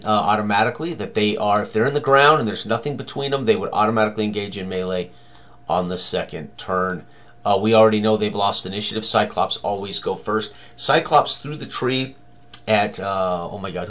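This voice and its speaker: A man's voice: lowish voice, fairly bright tone. A man in his sixties giving a casual tabletop game tutorial, thinking aloud as he works through it. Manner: talks to himself, exclaims mildly.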